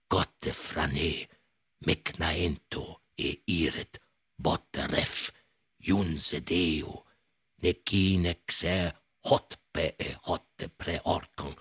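Man putting on a low, eerie ancient mummy. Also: fairly bright tone, husky, dry recording, clean studio sound, heavily acted. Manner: slow, solemn incantation. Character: eerie ancient mummy intoning a solemn curse.

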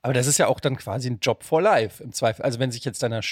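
A man's voice: mid-range voice, quick pace, breathy edge, no echo, clean studio sound. A man chatting casually as a podcast co-host and interviewer. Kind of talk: casual chat.

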